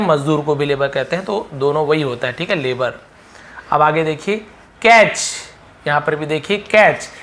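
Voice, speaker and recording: A man teaching English words in a lesson, calling out each word loudly, then explaining its meaning more quietly. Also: fairly high pitch.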